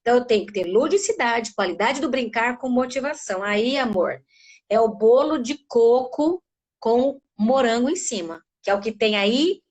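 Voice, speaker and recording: Acting out sounds as she goes, a middle-aged Brazilian woman gives a lively speech therapy talk in a live webinar. She speaks at a moderate pace, her voice on the high side.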